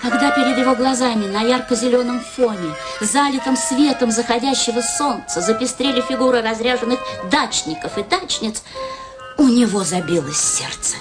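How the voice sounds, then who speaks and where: A woman narrating a literary story in a radio play, in an expressive storytelling manner. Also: a little high, moderate pace, close to an everyday voice. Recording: radio play with music underneath.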